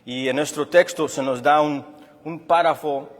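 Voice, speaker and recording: Earnest preacher in a reverberant hall. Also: male voice, fairly high pitch, fairly even intonation, a little slow. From Chicago. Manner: earnest and explanatory, with frequent restarts and fillers. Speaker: pastor. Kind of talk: sermon.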